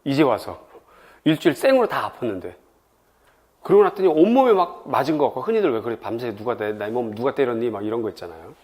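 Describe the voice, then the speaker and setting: A man's voice: mid-range voice, fast talker. A middle-aged man from Seoul giving an exam prep info session, chatty and full of personal stories. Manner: lively, chatty, tells personal anecdotes. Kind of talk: admissions info session lecture.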